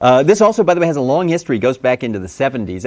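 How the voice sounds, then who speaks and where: A man speaks at a very fast pace. His pitch swings very widely. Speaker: university professor. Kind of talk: lecture. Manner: halting, many fillers and restarts.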